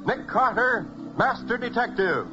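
A man's voice: extremely high pitch, lively intonation, a little slow, loud music behind the voice. An American man announcing in polished, emphatic 1940s radio style, as if selling every phrase. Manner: dramatic, emphatic, polished salesmanship. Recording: muffled 1940s radio recording.

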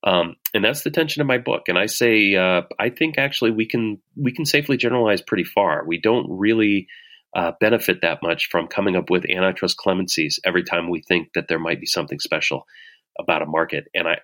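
Very deep-voiced man, halting and thoughtful. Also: a bit bright. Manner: hesitant, many "um"s and restarts, thoughtful. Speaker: author and guest. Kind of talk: casual spoken explanation.

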